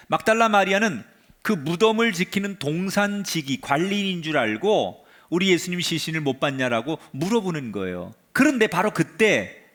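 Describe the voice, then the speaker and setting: A man, a pastor, preaching a sermon and retelling a story with drama, his voice sinking to a hush at the end of phrases. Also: on the high side. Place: church sanctuary.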